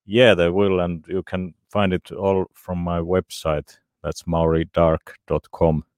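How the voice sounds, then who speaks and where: Deep-voiced, modest man. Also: level tone, unhurried, darkish tone, dry recording, clean studio sound. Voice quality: very low, deep voice. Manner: modest, brief answers. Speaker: singer, interview guest.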